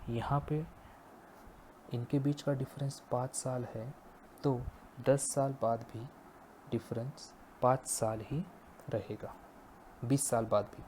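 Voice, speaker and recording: धीमी, गहरी आवाज़ में समझाता पुरुष शिक्षक, हल्का शोर. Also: male voice, mid-range voice, mellow, slight background noise. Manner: slow, explains step by step and checks understanding. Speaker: teacher. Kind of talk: math lecture.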